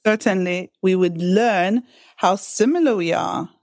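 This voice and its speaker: A woman hosts a conversational interview, answering her guest with short agreements before raising the next question. Her pitch is mid-range and unremarkable. The sound is dry and close. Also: measured pace, darkish tone, dry recording. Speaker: interview host.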